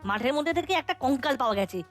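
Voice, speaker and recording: A lively little sidekick boy from a cartoon, cheeky and slangy. The speech is quick and very animated, over clearly audible music. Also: high voice. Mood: puzzled, chatty. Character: lively, cheeky ten-year-old boy, loyal sidekick. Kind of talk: animated children's cartoon acting.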